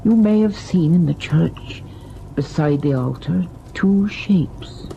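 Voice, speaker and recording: A gravelly, unhurried servant woman, deferential and uneasy. She has a mellow, guarded delivery in old radio drama style, on a dull, hissy recording. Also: low voice, animated, exaggerated voice. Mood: hushed, foreboding.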